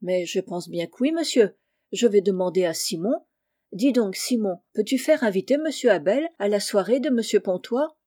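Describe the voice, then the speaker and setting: A woman's voice: mid-range voice, lively intonation, moderate pace, warm tone, no echo, clean studio sound, natural voice. A woman reading the part of an eager, earnest poor country boy in a storybook.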